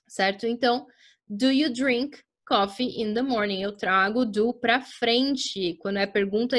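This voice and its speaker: A woman with a high-sitting voice teaches English grammar in a chatty way, frequently checking in with her listeners. She slows down to spell out example sentences.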